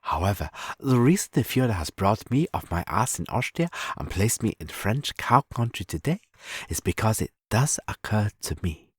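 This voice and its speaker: A man's voice: fairly low pitch, sing-song, normal speed, husky, no echo, studio quality. A man playing a cunning Nazi officer who explains his hunt in a smug, methodical, menacing film monologue.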